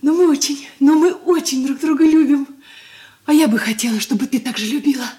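A woman's voice: high-pitched, fairly quick, mellow, close to an everyday voice. An actress playing a naive, tender young sister in a radio drama, speaking eagerly and girlishly. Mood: earnest. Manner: eager, breathless girlish delivery. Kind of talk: 1980s studio radio drama acting.

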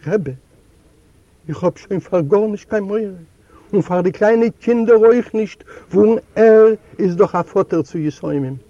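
A man's voice: high voice, a little slow, mellow, no room sound, lo-fi sound, voice pushed up. A man reading aloud, voicing a frail, dying old man who pleads and stammers before the rebbe. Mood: pleading.

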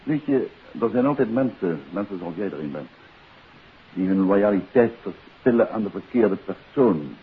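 Low-voiced probing detective, vintage radio. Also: male voice, expressive, husky, exaggerated voice. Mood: calm, probing. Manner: measured, insistent questioning. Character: composed, probing male amateur detective. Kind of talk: 1950s Dutch radio drama acting. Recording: hissy old phone-like radio recording.

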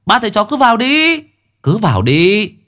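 A man's voice: high-pitched, huge pitch swings, moderate pace, fairly bright tone, voice pushed up, exaggerated voice. A man voicing an easygoing village official, calling out reassurances. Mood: reassuring. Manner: calling out breezily from afar.

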